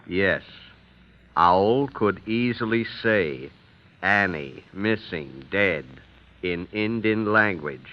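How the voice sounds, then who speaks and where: Solemn Native American witness: low, resonant, deliberate broken English, vintage radio drama with dulled sound. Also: male voice, animated. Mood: solemn, explaining. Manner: deliberate, terse broken English without articles. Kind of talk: old radio drama acting. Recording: dull vintage radio recording.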